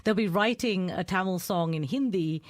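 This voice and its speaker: A woman's voice: fairly low pitch, normal speed, no echo. A woman radio presenter speaking as a guest in a studio interview, explaining fluently and with enthusiasm. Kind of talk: conversational interview.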